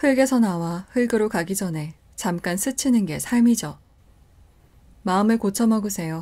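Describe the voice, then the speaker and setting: A woman speaks at a medium pitch and a fairly slow pace, her somewhat breathy voice dark and mellow in tone, with ordinary pitch variation on a very clean recording with a silent background. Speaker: audiobook narrator. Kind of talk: audiobook essay reading. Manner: soft-spoken.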